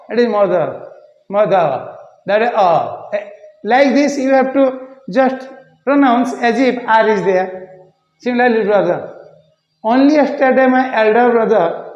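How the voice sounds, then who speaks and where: A man teaching an English pronunciation lesson, repeating words slowly to show how they should sound. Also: extremely high pitch, a little mellow. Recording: echoey room, muffled lo-fi sound.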